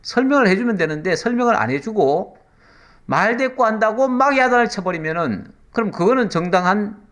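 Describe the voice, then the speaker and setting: Animated Korean pastor teaching scripture. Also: male voice, high-pitched, brisk. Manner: conversational teaching with acted quotes and questions to listeners. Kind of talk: sermon.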